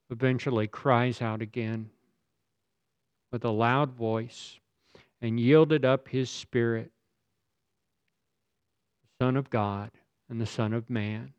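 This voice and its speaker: A man's voice: medium pitch, a little mellow, smooth, no room sound. A man preaching a sermon in a dramatic, emphatic way, building his points through rhetorical questions. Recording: slightly dull lo-fi recording.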